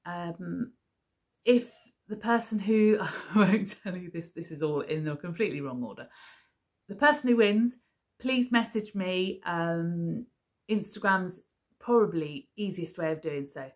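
A woman's voice: fairly low pitch, lively intonation, measured pace. A woman in her thirties chatting casually to camera as a crafting vlogger, rambling with lots of ums and restarts, recorded on a camera at table distance in her living room. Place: living room at home, seated on a sofa.

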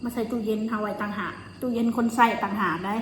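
A woman's voice: medium pitch, fairly even intonation, quick pace. A woman with an Isan, northeastern Thai accent chats casually about her own life, talking while chewing. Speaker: vlogger. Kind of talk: casual chat, recounting personal stories. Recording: roomy echo, faint noise, insects.

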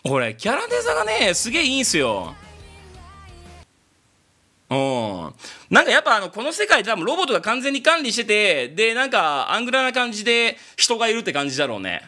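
A man from abroad who speaks Japanese as a second language, giving a casual reaction commentary on an anime opening and breaking into loud exclamations. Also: high-pitched, brisk, soft background music. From outside Japan. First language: not Japanese. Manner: excitable, bursts into loud exclamations.

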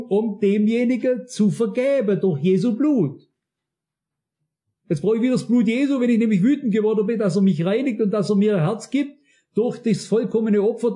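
Male preacher, high-pitched and bright, insistent sermon delivery with direct questions to the congregation. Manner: emphatic, addresses the congregation directly with frequent questions. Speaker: pastor.

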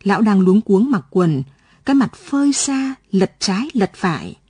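A woman radio reader telling a late-night story in a calm, measured way in a studio. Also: medium pitch, breathy edge, dry recording.

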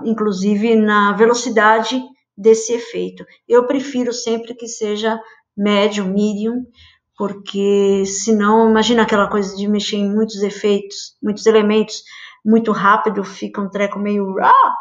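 A woman's voice: mid-range voice, fairly even intonation, moderate pace. A middle-aged woman chatting casually through a screen-share design tutorial, full of fillers and friendly pet phrases. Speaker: design instructor. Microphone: webcam video call. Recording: slightly dull lo-fi webcam audio.

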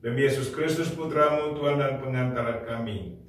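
An older male priest recites the prayers of the mass in a steady, measured way. His voice sits at a middle pitch and is heard from well back, across a very echoey small chapel. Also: distant mic. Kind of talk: leading Catholic mass prayers.

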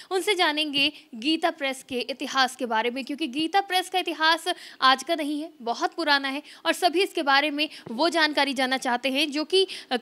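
A young woman reporting for television, speaking clearly and measured into a handheld mic, then introducing an interview. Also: high voice, pushed and bright. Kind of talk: news field report and interview. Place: indoor factory floor, then an office.

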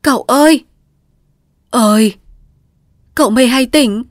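A woman voicing a worried young wife coaxing her sick husband, in a soft calling manner. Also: fairly high pitch, brisk, dry recording, studio quality, voice pushed up, lightly acted. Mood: alarmed. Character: anxious, patient young wife.

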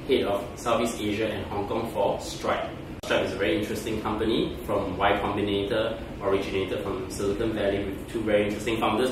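A low-pitched man hosts a business podcast interview, putting direct questions to his guest in an easy conversational way. He sits back from the mic, so his voice comes through a roomy, echoey office space. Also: recorded from a distance, background noise. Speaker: podcast host. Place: office meeting room.

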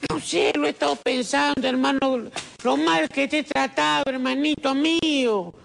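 High gravelly man, scheming caller. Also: normal speed, a bit bright, slight background noise. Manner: scheming, wheedling, calls everyone brother. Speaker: prank caller. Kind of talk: comic phone sketch.

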